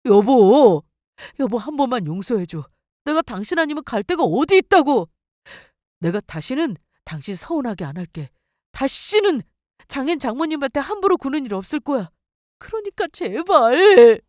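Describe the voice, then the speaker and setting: A woman's voice: high-pitched, very animated, normal speed, no echo, studio quality, pitched above the performer's own voice. A woman playing a begging husband. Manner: pleading, tearful. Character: cornered husband, begging forgiveness.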